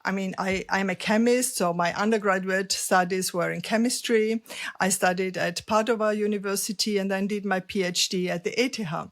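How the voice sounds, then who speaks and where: A woman's voice: medium pitch, fairly even intonation. Thoughtful woman from Austria with roots. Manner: measured, thoughtful, with fillers and light laughs. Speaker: guest, chemist and sustainability expert. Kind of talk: podcast interview.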